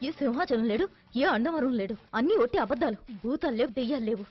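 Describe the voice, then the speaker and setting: An actress dubbing a stubborn young woman camper who talks quickly and insistently. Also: fairly high pitch, lively intonation, lightly acted. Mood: defiant. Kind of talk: Telugu film dub. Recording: dull film dub with music.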